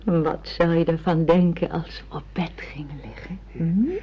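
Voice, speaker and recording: A woman's voice: low voice, fairly even intonation, muffled recording, a little hiss or hum. An actress playing a sensual wife who intimately coaxes her husband in a radio play. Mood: coaxing. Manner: slow, intimate, cajoling. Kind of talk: radio play acting in Dutch.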